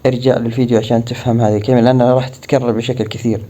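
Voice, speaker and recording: A native Arabic-speaking man teaching English phrases, repeating each example slowly and deliberately before explaining it. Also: mid-range voice, flat delivery, warm tone. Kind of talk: language lesson explaining phrases.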